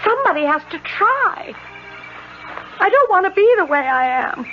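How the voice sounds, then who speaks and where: A woman's voice: very high-pitched, big pitch swings, moderate pace, faint music behind. An actress playing an earnest, emotional young disabled woman with a bitter streak in a 1970s radio drama. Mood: desperate pleading. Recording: noisy, dull vintage radio broadcast.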